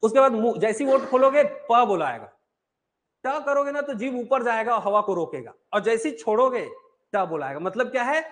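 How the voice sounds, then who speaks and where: A man with a fairly high voice teaches an exam-prep class. He explains step by step, asks his students questions and then answers them himself. slip into his sentences now and then. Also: animated, normal speed. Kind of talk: online class lecture.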